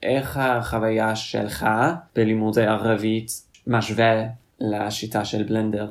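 With an English accent, a man speaks very slowly in a flat monotone at medium pitch, and room echo can be heard. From US Midwest, Cincinnati, Ohio. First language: English (speaking Hebrew). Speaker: podcast co-host and student volunteer. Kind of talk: casual chat.

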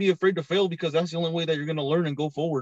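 With an American accent, a man talks at a very fast pace in a fairly high pitch with fairly even intonation. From California. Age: 20s. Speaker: construction worker. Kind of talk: casual interview.

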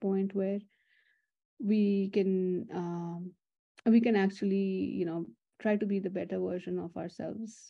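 A woman talks at a medium pitch with monotone, flat intonation. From Pakistan. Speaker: conflict resolution practitioner. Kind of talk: podcast interview.

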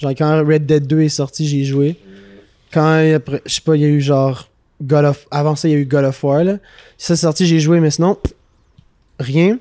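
In a dry, close sound with no echo, a man with a dark, mellow tone and fairly high pitch speaks at a moderate pace with fairly even intonation and long, frequent pauses. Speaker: music producer. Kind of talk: casual interview.

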